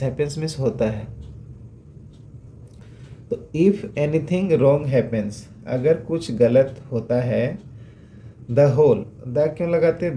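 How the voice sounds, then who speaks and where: A man gives a phonics lesson, patiently sounding out letters one by one and asking little checking questions as he goes. His voice is dark and mellow at an ordinary pitch. A faint background hiss sits under the recording. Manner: patient, repeats sounds slowly and asks rhetorical checks. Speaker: English teacher. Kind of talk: phonics lesson explained in Hindi.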